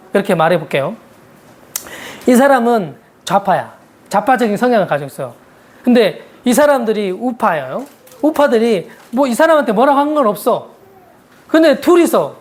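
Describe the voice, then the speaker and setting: A woman's voice: medium pitch, darkish tone. A woman preaching a sermon in a conversational, storytelling way, posing rhetorical questions to her listeners.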